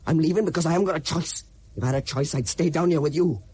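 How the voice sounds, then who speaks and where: An actor playing a desperate young miner, defiant and stammering under strain. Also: male voice, a little high, fast talker, a little mellow, husky. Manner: defiant, then breaking, stammering. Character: desperate young male miner, torn and emotional.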